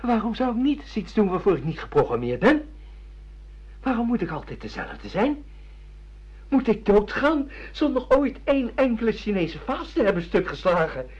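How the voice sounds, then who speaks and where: An anguished rebel in a radio play, theatrical and impassioned. The delivery is that of a yearning monologue, slightly husky, on a dull lo-fi recording. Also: female voice, medium pitch, very animated, normal speed, a little mellow. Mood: impassioned, desperate. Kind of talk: radio drama acting.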